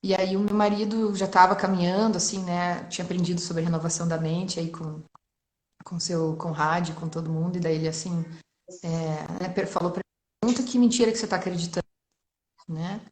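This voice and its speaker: A woman's voice: on the low side, moderate pace, slight background noise. Emotional Brazilian woman telling a story, roomy echo. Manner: emotional, lively, with frequent tag questions. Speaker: entrepreneur guest sharing testimony. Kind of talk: casual personal storytelling.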